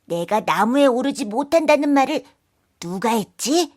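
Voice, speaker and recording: A woman's voice: sits high, animated, normal speed. A woman voicing a hot-tempered, gullible fox with a blustering, demanding manner in a children's folktale. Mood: irritated.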